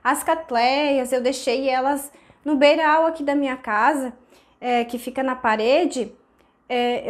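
A woman, hoarse from a cold, chatting to camera and explaining orchid care with hand gestures, on a lapel mic in a small indoor room. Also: high-pitched. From southern Brazil. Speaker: orchid-growing channel host. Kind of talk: casual tutorial talk to camera.

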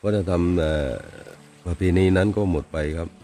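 A man with a very low voice explains a cave to a visitor, hesitating and filling pauses as he goes. He agrees readily and talks outdoors by a stream. Faint music plays underneath. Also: steady tone, dark tone. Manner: hesitant, many fillers, agreeable. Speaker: local cave guide.

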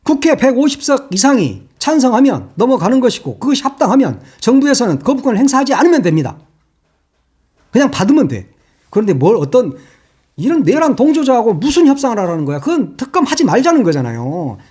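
A man's voice: very high-pitched, big pitch swings, a little fast, a little mellow, breathy edge. A man giving heated political commentary, insulting his target and firing off rhetorical questions.

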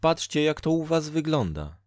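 A man's voice: fairly high pitch, sing-song, normal speed, darkish tone, no echo, clean studio sound, voice pushed up. A man voicing Dola, a female spirit of fate who scolds a lazy farmer in a storybook reading, with lecturing, reproachful delivery. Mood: scolding.

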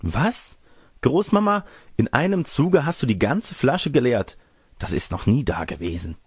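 A man's voice: sits low, sing-song, a little fast, creaky, darkish tone, breathy edge, no echo, studio quality, full character voice. A man voicing a naive, inquisitive young girl in a storybook tale, full of wondering questions and exclamations. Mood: astonished. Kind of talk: storybook character reading.

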